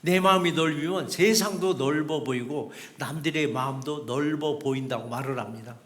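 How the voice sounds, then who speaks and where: High-voiced preaching pastor. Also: male voice, normal speed, a bit bright. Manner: emphatic preaching, repeats phrases, acts out quoted voices. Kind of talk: sermon.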